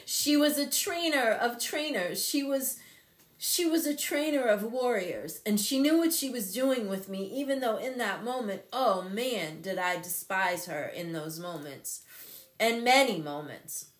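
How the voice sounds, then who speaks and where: A woman in her fifties hosting a talk show, telling a personal story in a candid, animated way with frequent laughs. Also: a little high, unhurried, reverberant. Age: 50s. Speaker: show host and company CEO. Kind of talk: casual storytelling on a live show.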